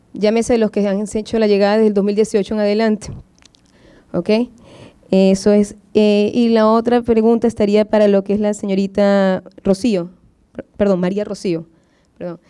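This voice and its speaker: A woman's voice: mid-range voice, mellow, smooth. A woman from Venezuela, a postgraduate student, asking questions from the audience at a medical symposium with many hesitant fillers.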